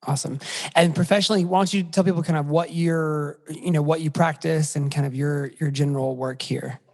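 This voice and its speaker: A man with a slightly high voice hosts a podcast in a loose, rambling way, full of fillers and restarts. His voice carries a long reverb tail, as if the room were large and bare. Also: fairly even intonation, brisk. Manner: friendly, rambling with many fillers. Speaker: podcast host. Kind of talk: casual podcast talk.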